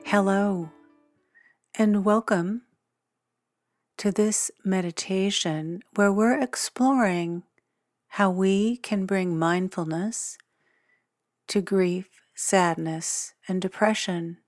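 Speaking in brief, gentle, measured phrases with long pauses, a woman who hosts a podcast and guides meditation takes listeners through a very slow session. The recording of her mid-range voice is close and dry, with no echo.

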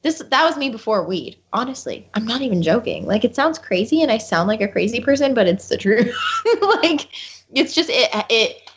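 A woman's voice: a little high, very animated, dull audio. A young woman co-hosting a podcast who talks a lot, laughs often and speaks frankly in casual chat. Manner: very talkative, laughs often, quick asides. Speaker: podcast co-host.

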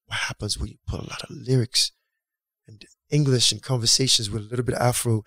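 A man's voice: medium pitch, fairly even intonation, fast, a bit bright, no echo. A man from Nigeria whose first language is Yoruba, a guest musician talking about his career in a casual, rambling, reflective interview.

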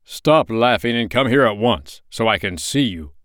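A man's voice: low-pitched, steady tone, normal speed, a bit bright, smooth, no echo, studio quality. A man voicing an indignant, imperious king in a children's storybook, giving stern commands. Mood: angry, startled.

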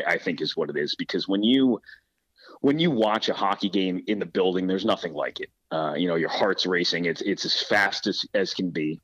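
A man's voice: low-pitched, fairly bright tone, muffled recording. A man, a sports broadcaster, giving earnest, explanatory answers in a conversational interview and repeating words for emphasis. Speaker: hockey play-by-play broadcaster being interviewed.

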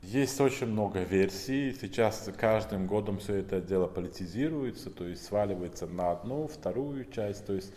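A man with a notably low, mellow voice and a Central Asian Tajik accent. He talks informally as an interviewee, explaining haltingly with frequent fillers and repeats. Long reverb hangs around his words. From northern Tajikistan. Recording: roomy hall with long reverb.

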